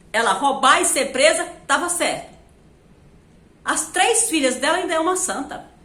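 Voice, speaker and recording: With audible room echo, a woman speaks at a moderate pace in an extremely high pitch, her voice raised and projected with an animated tone and long, frequent pauses. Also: lively intonation. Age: 70s. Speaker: YouTuber. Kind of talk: video reply to a viewer comment.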